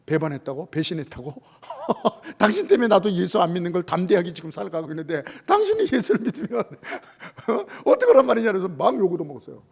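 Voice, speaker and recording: A man preaching a Sunday sermon as pastor, telling stories with lively acted-out dialogue and rising to shouts. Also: high voice, quick pace, vocal fry, few pauses, breathy edge. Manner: animated storytelling, acting out quoted voices, rising to shouts.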